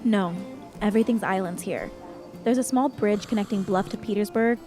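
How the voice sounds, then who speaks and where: A woman's voice: medium pitch, moderate pace, music in the background, natural voice. A woman playing a practical, matter-of-fact young water nymph in a naturalistic audio drama.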